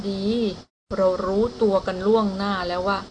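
A woman's voice: mid-range voice, little pitch movement, moderate pace, a little mellow, a little hiss or hum, close to an everyday voice, rough recording. A woman reading the part of a protective older brother who speaks firmly and plainly.

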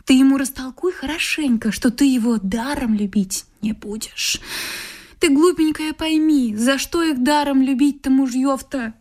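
A woman's voice: sits high, moderate pace, darkish tone, close to an everyday voice. An actress in a radio play voicing a smug, materialistic young married woman, condescending and coaxing. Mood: coaxing, scheming. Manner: condescending, coaxing, self-satisfied. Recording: music behind the voice.

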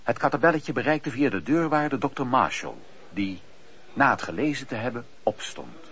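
A man narrating a radio play in a dramatic, scripted storytelling style, with a husky voice. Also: medium pitch, animated, moderate pace, a bit bright. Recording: dull, lo-fi radio play recording.

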